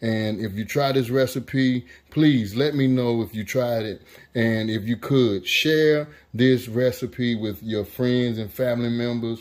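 Mostly level intonation from a male speaker. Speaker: home cook channel host. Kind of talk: cooking tutorial. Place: kitchen.

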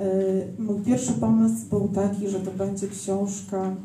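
A woman speaks at a medium pitch with ordinary pitch variation. Noticeable background noise sits behind her. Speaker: author and museum worker. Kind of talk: author talk with audience. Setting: live event with audience, microphone.

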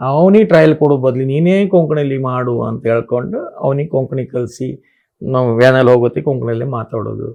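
With ordinary pitch variation, this man talks at a medium pitch. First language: Konkani (speaking Kannada). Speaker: playwright and stage comedian. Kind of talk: interview.

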